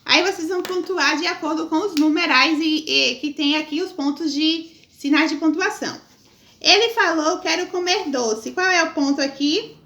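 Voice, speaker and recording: A Brazilian woman teaches young pupils in a high, bright, forward voice. She dictates sentences and their punctuation piece by piece, tagging on short questions to check. The recording is roomy and echoing. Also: slight background noise. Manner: dictating, reading out slowly and spelling out each mark. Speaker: primary school teacher. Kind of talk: lesson going through punctuation exercises.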